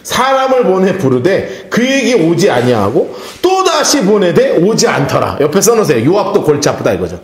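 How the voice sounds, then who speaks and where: A male pastor leading a Bible study in a church, lively and playful, dramatizing the text and laughing often. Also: high-pitched, normal speed, hardly any pauses, echoey room. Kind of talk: animated Bible study lesson.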